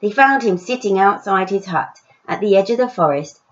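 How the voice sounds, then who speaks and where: A woman author reading her own story aloud in an expressive children's storytelling style. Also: mid-range voice, normal speed, highs cut off.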